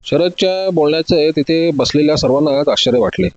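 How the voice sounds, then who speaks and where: A man reading a detective audio story in a steady, clear narrating voice. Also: fairly high pitch, fairly quick, dry recording, muffled recording.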